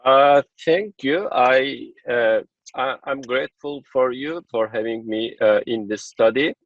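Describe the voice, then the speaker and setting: A middle-aged man with a Turkish accent, speaking haltingly with many fillers as he gives his story in an interview. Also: mid-range voice, no echo, muffled recording. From Turkey. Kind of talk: personal testimony in an interview.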